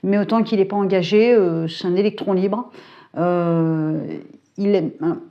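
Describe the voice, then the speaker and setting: A middle-aged woman talking casually to camera, colloquial and brisk, with lots of fillers and hesitations. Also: medium pitch, steady tone, lo-fi sound. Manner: chatty, colloquial, frequent filler tags and hesitations; brisk and self-described hyperactive. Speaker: psychic YouTuber. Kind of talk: casual talking-head chat. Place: home.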